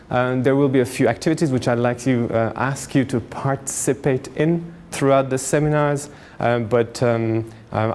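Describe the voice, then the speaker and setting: Male seminar lecturer, forties, raised in Canada. Halting, explanatory delivery at average pitch, over audible background noise. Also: darkish tone. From France, grew up in Canada. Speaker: university lecturer. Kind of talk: seminar lecture, informal introduction.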